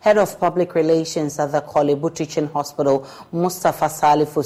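A woman with a Ghanaian accent reading the news headlines in a measured, formal way. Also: low voice, a little mellow. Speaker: news anchor.

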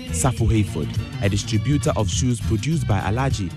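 Ghanaian male reporter, lowish voice. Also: lively intonation, a little fast, over loud music. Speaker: news reporter. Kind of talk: scripted news report narration.

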